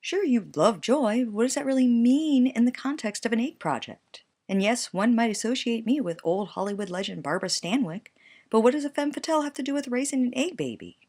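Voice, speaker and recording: Animated, pedantic young student played by a woman. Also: on the high side, a little fast. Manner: precise, nerdy, wordy. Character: pedantic, earnest, anxious young college student Parker. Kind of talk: audio drama romantic comedy dialogue.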